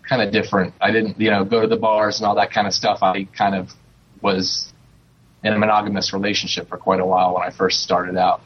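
A man in his forties chats as a guest on a talk show, pausing often on fillers as he speaks. His voice sits fairly low. The recording is dull and lo-fi. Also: little pitch movement, husky. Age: 40s. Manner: chatty, hesitant with many fillers. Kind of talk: casual interview chat.

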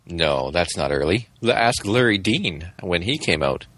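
A man's voice: sits low, expressive, a little slow, fairly bright tone, dry recording. A man in his forties chatting casually with short, agreeable remarks. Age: 40s. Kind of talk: casual chat.

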